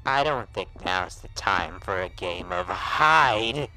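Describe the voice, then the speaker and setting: An actor playing a sadistic, vengeful monster in a horror audio drama, with gravelly, mocking menace. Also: deep voice, animated, sharp tone, exaggerated voice, poor audio. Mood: slow menace. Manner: menacing, drawn-out, mocking taunts.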